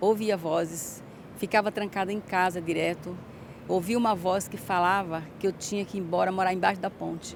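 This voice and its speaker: This is a woman with a plain, everyday voice. She talks at a medium pitch and a moderate pace. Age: 60s. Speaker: church member. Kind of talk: testimony.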